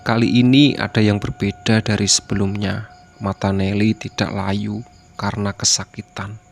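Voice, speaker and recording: A man narrating a horror story as a scripted reading, with a steady, even delivery. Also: lowish voice, normal speed, creaky, soft background music.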